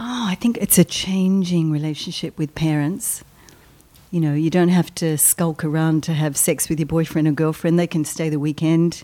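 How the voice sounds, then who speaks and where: A woman speaks at a moderate pace. Her voice is fairly low, with a dark, mellow tone. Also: ordinary pitch variation. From Australia, Melbourne. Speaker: novelist. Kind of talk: casual chat.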